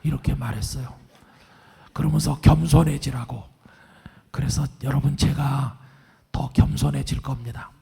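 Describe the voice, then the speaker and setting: A middle-aged male pastor preaching a sermon in a hoarse, raspy, half-whispered voice after vocal cord surgery, calm and earnest. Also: mid-range voice, moderate pace, long pauses. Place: large church sanctuary. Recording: long church hall reverb.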